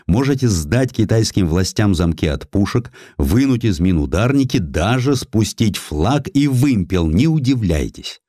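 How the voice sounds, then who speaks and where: A man voicing a grave, authoritative rear admiral in an audiobook, deliberate and emphatic as he gives orders. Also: lowish voice, warm tone, no echo, clean studio sound.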